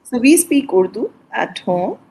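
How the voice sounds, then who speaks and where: A middle-aged woman doctor from Pakistan, explaining things in short, halting fragments in a casual video-call interview. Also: on the high side, sing-song, vocal fry, a little mellow, slight background noise, poor audio. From Pakistan, Punjab. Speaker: guest, medical doctor.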